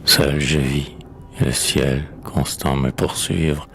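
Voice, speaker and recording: A man's voice: extremely low pitch, little pitch movement, slow pace, fairly bright tone, faint music behind, full character voice. A man reading a dramatic poem, voicing a proud, despairing old king in a grave, declamatory recitation. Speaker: poetry reader.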